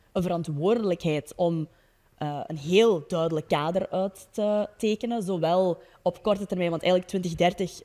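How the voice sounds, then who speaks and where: A young adult woman with a Flemish Belgian accent giving an earnest, explanatory debate statement with hesitant pauses. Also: fairly low pitch, dark tone. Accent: Flemish Belgian Dutch. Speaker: political youth-wing leader, debate panelist. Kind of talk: debate statement, semi-formal.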